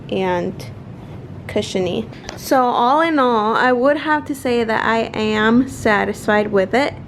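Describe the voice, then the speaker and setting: A woman's voice: medium pitch, a little hiss or hum, rough recording. A young woman casually reviewing products for her vlog at home, talking straight to viewers with lots of ums and likes. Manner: chatty, addresses viewers as guys, many ums and likes. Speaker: vlogger. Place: at home, bedroom and stairs.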